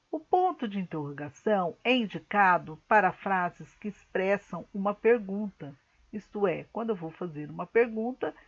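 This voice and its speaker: A woman teacher giving a recorded lesson to a school class, explaining slowly and carefully with examples. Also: medium pitch, dull audio.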